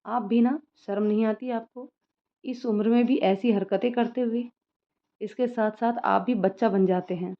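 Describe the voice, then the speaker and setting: A woman's voice: a little high, fairly even intonation, moderate pace, close to an everyday voice. A bashful middle-aged mother who scolds in mock anger, as a woman narrator puts her on. She speaks with playful fuss, and the lo-fi sound is a bit muffled. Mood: bashful scolding. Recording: slightly muffled lo-fi recording.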